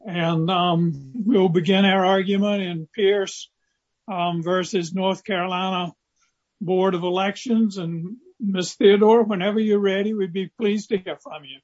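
A man presiding as an appellate judge, speaking formally from the bench in a halting, probing way. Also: high-pitched, fairly even intonation, a little mellow, dull audio.

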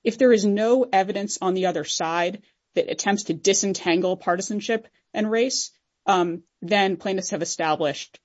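A woman's voice: medium pitch, moderate pace, darkish tone, lo-fi sound. A woman lawyer making a formal, technical oral argument to judges in an assertive way. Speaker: appellate lawyer.

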